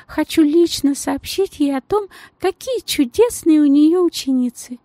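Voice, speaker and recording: A portly society lady in a storybook, her voice thin and piping, pitched far above the narration and swooping all over as she gushes. Her manner is affected and sugary, with a venomous edge underneath, as a woman narrator puts her on. The sound is close and dry. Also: expressive, a little slow, dark tone, no echo. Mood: gushing sweetly. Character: stout genteel lady, shrill, saccharine then venomous.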